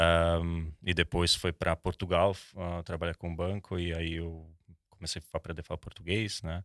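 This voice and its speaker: Dry and close with no echo, this very clean recording has a silent background. A man speaks in a very deep, low pitch with monotone, flat intonation. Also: moderate pace. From Slovakia (Bratislava), then Vienna from about 15. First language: Slovak (speaking Portuguese). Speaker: entrepreneur, gin producer. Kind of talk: podcast interview. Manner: hesitant, many fillers.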